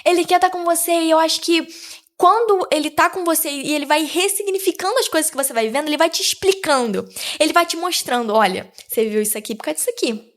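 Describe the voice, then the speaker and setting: A teenage girl speaking as a podcast guest, telling a lively story about her faith with frequent restarts. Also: extremely high pitch, quick pace. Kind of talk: casual faith testimony.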